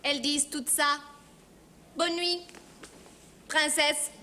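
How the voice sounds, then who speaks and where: A woman playing a theatrical queen mother in a children's fairy tale, with exclamatory, drawn-out delivery. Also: sits high, steady tone, a little hiss or hum, heavily acted. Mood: teasing. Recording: loud music behind the voice.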